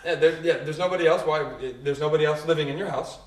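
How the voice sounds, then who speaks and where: A man who is a native English speaker, explaining ideas through everyday examples and questions in a casual two-person talk. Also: a little high. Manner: leads with examples, asks questions, quick and animated. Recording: roomy echo, a bit far from the mic.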